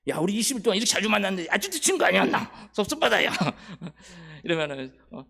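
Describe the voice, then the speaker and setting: Middle-aged guy preaching, highish voice, acts out the quotes. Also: fairly bright tone. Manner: storytelling, acting out quoted dialogue. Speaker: missionary preacher. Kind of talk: sermon testimony.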